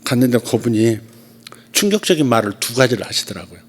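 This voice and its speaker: A male pastor preaches at a church service in a relaxed storytelling way. His voice sits at an ordinary middle pitch. He swings between louder and quieter phrases. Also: fast talker, husky. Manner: storytelling, with loud and soft swings. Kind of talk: conversational sermon.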